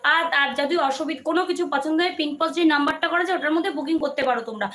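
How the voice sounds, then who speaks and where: A woman's voice: high voice, fast talker, a bit bright. A woman selling jewelry on a live stream without a microphone, talking casually and coaxingly, repeating herself with many fillers and restarts, her throat strained. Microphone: no microphone, phone or camera mic.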